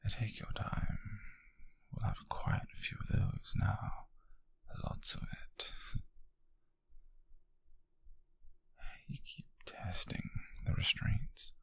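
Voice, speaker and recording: A British man playing a possessive, obsessive, smug wealthy captor in an intimate ASMR roleplay, husky and whispery, speaking softly and deliberately close to the mic. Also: lowish voice, dry recording, heavily acted. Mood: teasing, possessive. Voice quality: breathy, husky, gravelly whisper. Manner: slow, deliberate, menacingly soft. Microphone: close microphone, dry.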